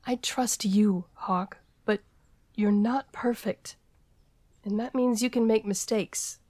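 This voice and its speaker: A woman's voice: fairly high pitch, steady tone, extremely slow, long pauses, a little mellow, no room sound. A woman playing a grieving, defensive female werewolf in a fan audio drama, speaking in a hesitant, guarded way. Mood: wary.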